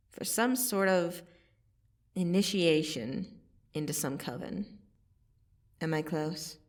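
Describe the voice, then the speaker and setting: A woman playing a menacing yet softening vampire assassin in an ASMR roleplay, intimate and deliberate, often slipping into a breathy whisper. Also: fairly low pitch, recorded from a distance. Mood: teasing, curious. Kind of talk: ASMR roleplay, scripted dramatic monologue.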